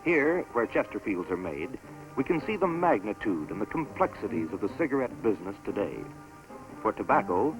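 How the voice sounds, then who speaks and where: A man giving scripted narration for a promotional documentary film in a measured, stately announcer delivery. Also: fairly low pitch, low-quality recording. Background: orchestral music score.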